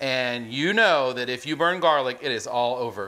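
There is light noise in the background. Over it, a man is talking. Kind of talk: tutorial. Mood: relaxed, friendly. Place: kitchen.

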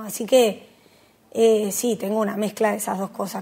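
A woman's unremarkable speaking voice, fairly high in pitch, with fairly even intonation at a fairly slow pace. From Buenos Aires, Argentina (Belgrano); Buenos Aires. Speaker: education nonprofit founder; interview guest. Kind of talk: interview. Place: studio. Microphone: lapel.

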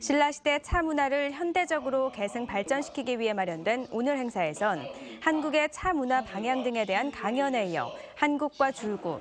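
This woman's high-pitched voice makes very wide pitch swings. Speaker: news anchor. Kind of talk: news reading. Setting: studio. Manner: formal.

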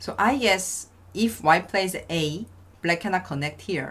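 A woman speaks with a Korean accent and ordinary pitch variation. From South Korea. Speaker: Go streamer and commentator; Go streamer, commentator. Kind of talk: live game commentary. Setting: live stream. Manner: animated. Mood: relaxed, friendly. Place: home room. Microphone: webcam.

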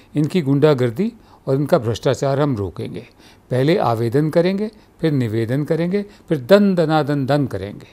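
A man's dark, mellow tone, with very wide pitch swings, at a fairly slow pace. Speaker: news show host. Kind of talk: news commentary. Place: home room.

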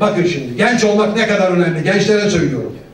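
A man talks at a fairly quick pace, with audible room echo around him. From Eastern Anatolia, Erzincan (Tercan); Eastern Anatolia. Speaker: trade union leader and politician; speaker. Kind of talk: political speech. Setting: stage with audience. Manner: rousing, emphatic. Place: hall.

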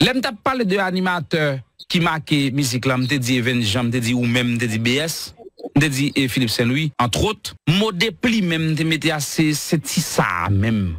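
A man speaks very slowly with very wide pitch swings, in a dry sound with no echo. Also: quiet background. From Haiti. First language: Haitian Creole (speaking French). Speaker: radio host. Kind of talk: interview. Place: studio. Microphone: studio mic.

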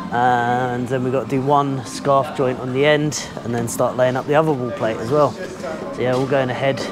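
Over clear background music, a man talks at a fairly slow pace with ordinary pitch variation. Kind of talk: casual vlog chat. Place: workshop. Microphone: lapel.

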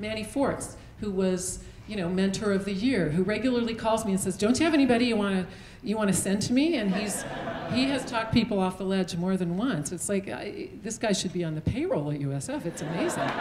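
A woman talks with a West Coast accent and lively intonation. She moves at a fairly quick pace over noticeable background noise. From Oregon, US Pacific Northwest. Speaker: law school academic support director; law professor giving a speech. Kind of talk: speech at a celebration. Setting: event with live audience. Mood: warm, grateful, reflective. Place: hall. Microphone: handheld.

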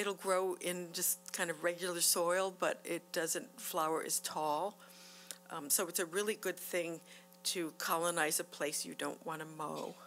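Faint music plays in the background as a woman with a fairly low pitch speaks at a fairly slow pace. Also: fairly even intonation. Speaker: gardening expert and speaker; speaker. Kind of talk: lecture. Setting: stage with audience. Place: hall.

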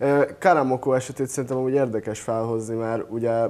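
Delivery is fairly quick, with a dark, mellow tone. The intonation stays fairly even. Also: man. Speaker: drummer. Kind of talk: casual sports talk. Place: studio. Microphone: lapel.

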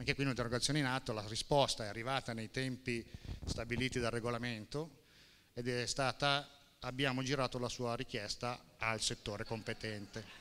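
Over light background noise, a man at a medium pitch speaks fairly quickly with fairly even intonation. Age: 40s. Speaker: local district councillor. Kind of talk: public presentation with slides. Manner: halting. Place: hall.

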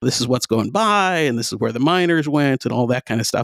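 Recorded very cleanly with a silent background and a dry, close sound with no echo, an unremarkable speaking voice with an American accent talks at a fairly quick pace with ordinary pitch variation. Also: man. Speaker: podcast co-host. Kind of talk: casual chat.

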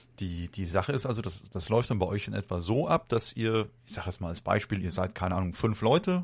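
A man's somewhat breathy, fairly low voice at a very fast pace with ordinary pitch variation, on a very clean recording against a silent background. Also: hardly any pauses. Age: 30s. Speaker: podcast host. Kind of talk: casual chat.

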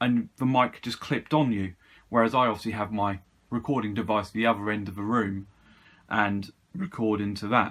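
At a moderate pace, a man with an unremarkable speaking voice and fairly low pitch speaks with fairly even intonation. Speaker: product reviewer. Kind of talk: casual unboxing chat. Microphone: camera far.

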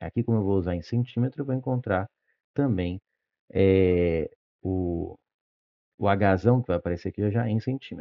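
Speaking with a Brazilian accent, a man uses a fairly low pitch with ordinary variation at a moderate pace. Long, frequent pauses break up his speech over a quiet background. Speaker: physics teacher. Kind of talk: tutorial.

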